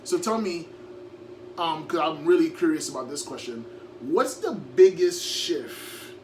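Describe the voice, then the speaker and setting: An energetic man hosting a casual interview, chatty and upbeat, often saying "like" and "yo". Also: a little high, a little slow. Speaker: motivational speaker and interviewer. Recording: distant mic with noise and hum.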